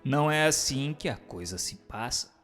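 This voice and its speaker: A man's voice: medium pitch, lively intonation, normal speed, fairly bright tone. A man gives a scripted, formal and didactic reading of a book of questions and answers. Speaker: narrator. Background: music.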